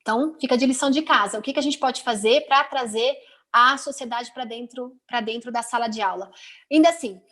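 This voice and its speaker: A Brazilian Portuguese-speaking woman teacher talking casually on a video call, chatty and expressive, with many rhetorical questions and quick asides. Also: on the high side. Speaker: teacher, invited guest. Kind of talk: casual web conference talk.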